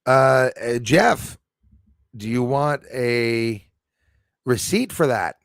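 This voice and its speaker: A man's voice: medium pitch, expressive, very slow, gravelly, no echo, studio quality. Chummy, rambling man on a livestream. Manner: enthusiastic, rambling, chummy with listeners. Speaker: livestream host. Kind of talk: casual livestream chat with viewers.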